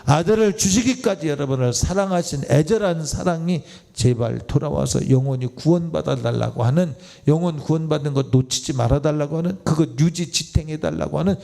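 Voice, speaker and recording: A male pastor delivering a lively sermon, moving between polite speech and blunt, informal address to his listeners. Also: on the high side, gravelly. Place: church sanctuary.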